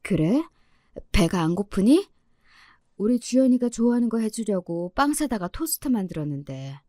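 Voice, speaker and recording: A woman voicing a patient middle-aged mother who talks softly and coaxingly. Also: mid-range voice, lively intonation, normal speed, no room sound, studio quality, lightly acted. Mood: coaxing gentle. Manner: soft, coaxing, caring.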